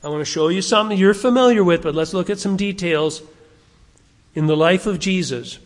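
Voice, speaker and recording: A man's voice: high voice, brisk, big-room sound. A man in his sixties preaching a conversational sermon to his congregation, often putting questions to them. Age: 60s. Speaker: pastor. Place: church sanctuary.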